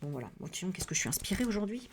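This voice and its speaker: A woman from France giving a casual spiritual reading, rambling with many hesitations and frank, animated asides. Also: mid-range voice, very fast, slight background noise. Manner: rambling, full of hesitations and fillers. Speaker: psycho-energy practitioner and medium.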